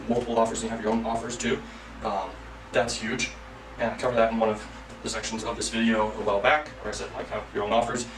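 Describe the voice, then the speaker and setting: A man giving a casual, energetic online marketing tutorial, salesy and loose, often saying freaking. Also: medium pitch. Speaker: online course creator. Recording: echoey room, mic at a distance, faint ambient noise.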